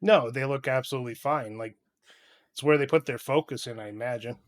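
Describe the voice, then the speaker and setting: A man's voice: medium pitch, a little fast. A man co-hosting a podcast, casually reviewing video games with blunt, informal complaints. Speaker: podcast co-host.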